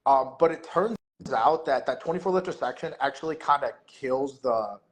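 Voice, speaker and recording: A man's voice: mid-range voice, animated, moderate pace. A man talking casually as a podcast guest, rambling with lots of filler words. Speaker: guest, meet director and MC.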